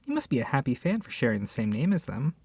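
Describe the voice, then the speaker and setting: A performer in a scripted audio roleplay, speaking to the listener as a flustered, opinionated book club member, expressive and hesitant with sighs and whispered asides. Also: mid-range voice, fast talker, creaky, husky, dry recording. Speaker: ASMR roleplay voice actor. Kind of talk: scripted audio roleplay, acted as one side of a conversation addressed to the listener.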